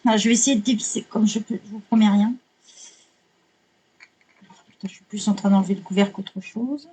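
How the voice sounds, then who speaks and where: Husky excitable woman vlogger. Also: medium pitch, a little fast, poor audio. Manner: excitable, swears casually, apologizes a lot. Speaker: vlogger unboxing art supplies. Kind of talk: casual unboxing chat.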